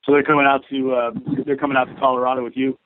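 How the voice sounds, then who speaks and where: A man's voice: medium pitch, level tone, rapid-fire, a little hiss or hum. A man working as a sports reporter, asking wordy, hesitant questions on a media conference call. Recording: tinny phone conference line.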